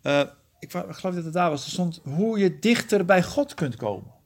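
A man with a somewhat higher voice teaches a small Bible study group. He works through the text verse by verse, correcting himself as he goes. He keeps turning to his listeners with questions to check they follow. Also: lively intonation, brisk. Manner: earnest, often asks the group questions; explains verse by verse, self-correcting.

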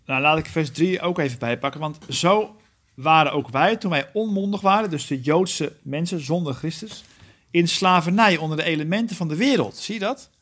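A man's voice: on the high side, moderate pace, fairly bright tone. Earnest man leading a Bible study. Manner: earnest, often asks the group questions; explains verse by verse, self-correcting. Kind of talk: interactive Bible teaching.

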